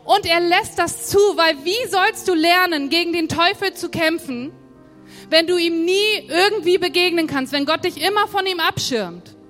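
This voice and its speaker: Brief: high-pitched woman preacher, chatty sermon, long hall echo. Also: normal speed, a bit bright. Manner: conversational, addresses the congregation directly. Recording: long hall reverb, faint music.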